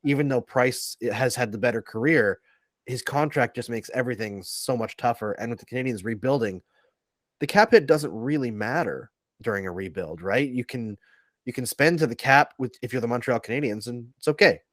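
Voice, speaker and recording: A man with a medium-pitched voice, recorded dry with no room around it. He chats casually, as a columnist on a sports panel would. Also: animated, a little fast, dry recording. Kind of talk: casual chat.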